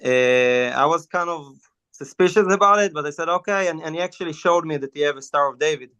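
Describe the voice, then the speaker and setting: A man from Israel, a native Hebrew speaker, giving spontaneous testimony in halting, non-native phrasing with many hesitations. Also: a little high, pushed and bright, smooth, no echo. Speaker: witness testifying at a court hearing. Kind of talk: spontaneous testimony, telling a story.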